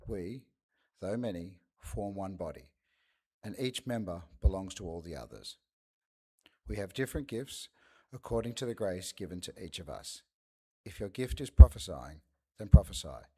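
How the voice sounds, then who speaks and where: Guy reading bible verses, really low and husky, dark mellow voice. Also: expressive, moderate pace. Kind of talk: scripture reading.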